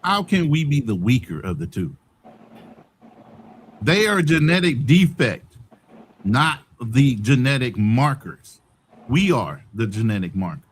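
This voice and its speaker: Man, lively intonation, emphatic and preachy, faint background hiss. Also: mid-range voice, a little slow, long pauses. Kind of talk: casual talk show chat.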